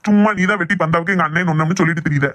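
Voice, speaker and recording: Casting: man as assertive Tirunelveli village dad for cartoon drama, middle-aged, stubborn, very quick, slightly high voice. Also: fairly bright tone, natural voice. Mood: irritated, defensive. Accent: Tirunelveli Tamil. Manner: assertive, dismissive of objections. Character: stubborn middle-aged village father, protective of his family. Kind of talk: amateur cartoon family drama.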